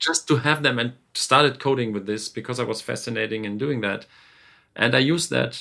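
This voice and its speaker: A man's bright, sharp tone with vocal fry. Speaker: software developer. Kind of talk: casual interview.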